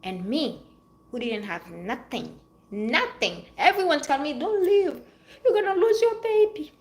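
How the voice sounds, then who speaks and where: A woman's voice: high voice, lively intonation, unhurried. Earnest woman with a Haitian-French accent. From Haiti or France. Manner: earnest, preachy, repeats phrases for emphasis. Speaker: vlogger giving life advice. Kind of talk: motivational monologue.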